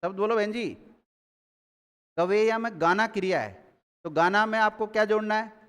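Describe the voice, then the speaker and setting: A man's voice: high-pitched, normal speed, a bit bright, clean tone. Man teaching in a reverberant classroom. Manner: repeats key words and quizzes students. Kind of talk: classroom grammar lesson.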